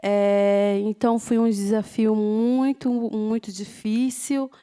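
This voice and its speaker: A woman from a Ticuna village in the Brazilian Amazon, whose first language is Ticuna, speaking slowly and haltingly on a discussion panel. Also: medium pitch, little pitch movement, dark tone, smooth. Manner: slow, halting, many pauses and fillers.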